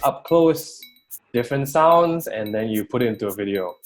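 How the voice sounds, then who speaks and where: A man's voice: mid-range voice, expressive, moderate pace, poor audio. A man giving a casual interview, thinking aloud in informal, conversational phrases. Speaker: interviewed guest, YouTuber. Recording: loud guitar music behind voice. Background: guitar music.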